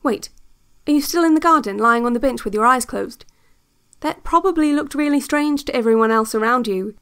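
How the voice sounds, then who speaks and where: A woman playing a calm, controlling relaxation-tape instructor in a scripted audio fiction, speaking in a measured, deadpan, instructive way. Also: fairly high pitch, clean tone. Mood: brisk, deadpan. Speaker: narrator of relaxation cassettes.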